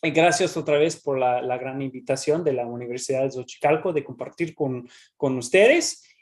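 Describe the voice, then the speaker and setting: A man speaks with an English accent at a fairly slow pace. His pitch varies in an ordinary way. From United States. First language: English (speaking Spanish). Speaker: history professor and researcher. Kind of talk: conference lecture. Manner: halting, with frequent repetitions and fillers.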